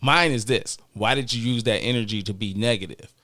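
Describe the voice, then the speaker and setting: A man's voice: medium pitch, a little fast, bright, forceful tone, no room sound, studio quality. A man hosting a podcast in casual chat, playful and often switching into different voices. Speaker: podcast host.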